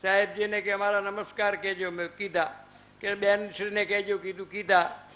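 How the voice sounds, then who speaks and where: Speaking in an ashram hall, a fifty-something man gives a religious talk full of stories, quoted dialogue and rhetorical questions. His high, sharp voice moves little in pitch and keeps a moderate pace. The recording quality is rough.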